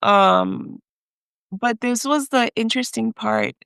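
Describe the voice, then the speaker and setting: High-voiced woman with a creaky edge. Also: slow, a bit bright, no echo, studio quality. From raised in the United States by Mexican parents. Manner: hesitant, emotional, mixes in Spanish phrases. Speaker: podcast guest. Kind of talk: personal storytelling in an interview.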